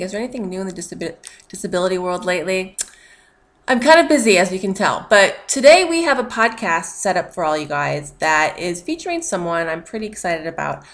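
A woman's voice: mid-range voice, fairly bright tone. A woman hosting a podcast interview, talking in a chatty, upbeat, rambling way. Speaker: podcast host. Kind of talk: casual interview chat.

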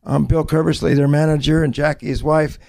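A middle-aged man, a songwriter telling stories in an interview with lively acted-out quotes. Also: a little high, brisk, vocal fry. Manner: folksy, animated storytelling with acted-out quotes. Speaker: songwriter guest. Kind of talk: storytelling interview.

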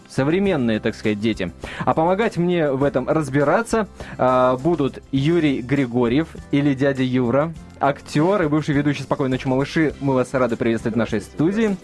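A man hosting a live radio talk show in a studio, chatty and joking, with many fillers and restarts. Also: medium pitch. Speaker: radio host.

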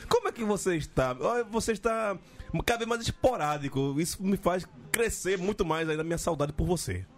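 A man's voice: sits high, lively intonation, fairly quick. A man with a Northeastern Brazilian accent hosting a podcast with playful, teasing, sweary banter. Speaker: sports podcast host.

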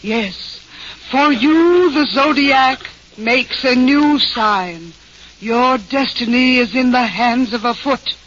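A woman's voice: high voice, takes it slowly, a bit bright. A woman playing an ominous, money-minded gypsy fortune teller with portentous delivery in a 1940s radio comedy. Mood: mysterious, ominous. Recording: muffled, hissy 1940s radio recording.

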